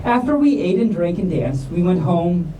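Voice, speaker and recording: This storytime reader has a mellow, lowish voice with lively intonation and a moderate pace, performing a picture book for a convention audience. She hams it up with jokes and playful interruptions, captured by a far-off mic in an echoey room with slight background noise.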